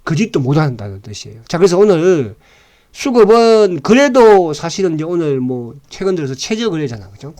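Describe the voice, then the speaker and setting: A man's voice: a little high, big pitch swings, moderate pace, darkish tone. A man giving casual stock market commentary, bluntly, throwing rhetorical questions at his viewers and asking them to agree.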